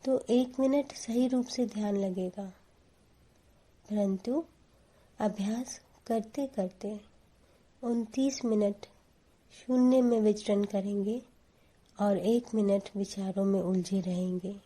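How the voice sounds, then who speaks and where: A woman giving guided meditation instructions in a calm, soothing, deliberate manner. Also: mid-range voice.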